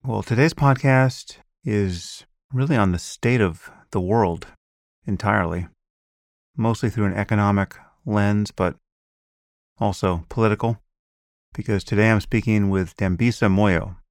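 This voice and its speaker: A man hosting a podcast, reading a measured introduction and then interviewing his guest. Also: fairly low pitch, no echo, clean studio sound. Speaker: podcast host.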